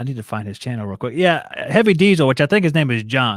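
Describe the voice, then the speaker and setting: A man with a Southern US accent at a very fast pace, on a very clean recording with a silent background. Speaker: HVAC technician. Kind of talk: casual chat.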